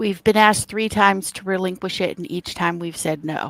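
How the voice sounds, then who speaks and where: A woman's raspy, put-on character voice at medium pitch, moderate in pace, with ordinary pitch variation and big swings in loudness. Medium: actual play. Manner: blunt, practical.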